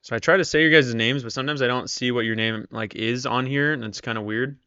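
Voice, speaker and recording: Man, live-stream host, voice going hoarse, chatty, bright tone, dry close sound. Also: mid-range voice, fast, dry recording, lo-fi sound. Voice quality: strained, tired voice. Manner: chatty, reads viewer comments aloud. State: losing his voice. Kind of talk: casual live-stream chat.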